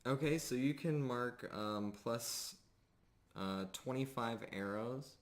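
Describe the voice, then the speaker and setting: A man improvising tabletop game narration as game master, with hesitant, halting phrasing. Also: mid-range voice.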